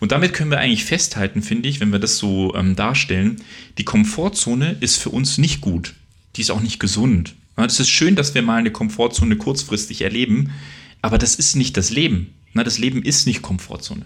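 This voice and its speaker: Male voice at a fairly quick pace and medium pitch, very wide pitch swings, vocal fry. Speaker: podcast co-host. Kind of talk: casual chat.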